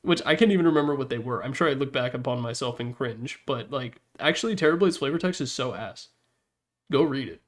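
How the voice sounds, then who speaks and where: A man's voice: mid-range voice, animated, brisk. Casual, blunt guy doing commentary. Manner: informal and blunt, with swearing. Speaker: gaming content creator and host. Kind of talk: casual opinionated tier-list commentary.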